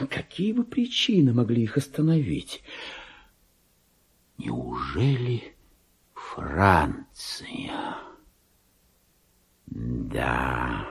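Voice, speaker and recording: An actor playing a deluded clerk who believes he is a king, in a pompous, erratic, theatrical radio monologue that swings from hushed to shrill. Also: creaky, breathy edge, heavily acted. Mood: confused, brooding. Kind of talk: dramatic literary monologue, Russian radio play.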